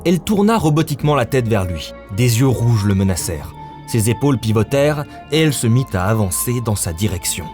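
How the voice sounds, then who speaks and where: A man's voice: medium pitch, sing-song, fairly quick, a little mellow. A male narrator with a mid-range voice tells a scripted adventure story in a dramatic style. Faint music plays underneath him.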